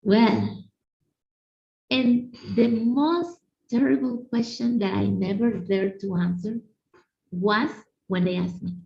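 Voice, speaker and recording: A woman teacher from Mexico with a Mexican Spanish accent, giving an animated online conference talk and speaking directly to her audience. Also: medium pitch, takes it slowly, vocal fry. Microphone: video call. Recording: echoey room, dull lo-fi sound.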